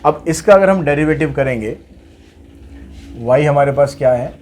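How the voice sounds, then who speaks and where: Working through maths problems one step at a time, this teacher explains each move aloud and answers the questions he raises himself. His voice is slightly high and a little mellow, at normal speed.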